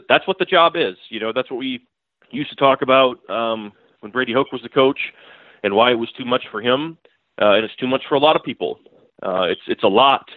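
A man's voice: medium pitch, no room sound. A newspaper beat writer, a man, talks through a game as a podcast guest, in a loose, chatty way, often starting over mid-sentence and chuckling as he goes. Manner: talkative, frequent restarts and fillers, chuckling asides. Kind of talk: casual sports analysis. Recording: tinny phone line, dry.

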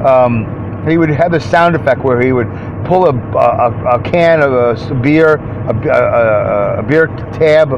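A man's voice: medium pitch, a little slow, gravelly. A man hosting a solo podcast, rambling and self-deprecating with lots of fillers, sounding congested. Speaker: podcast host. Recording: dull lo-fi sound with noise.

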